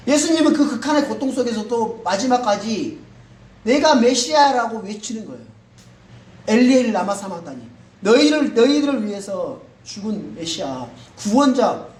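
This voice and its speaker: Lively, echoing pastor preaching a sermon. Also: mid-range voice. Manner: emphatic, asks the congregation rhetorical questions. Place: church hall. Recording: echoey room, mic at a distance.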